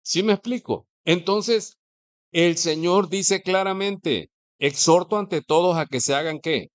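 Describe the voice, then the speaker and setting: A man's voice: sits high, unhurried. A man with a Mexican Spanish accent preaching a sermon in a church, talking conversationally and posing rhetorical questions to the congregation.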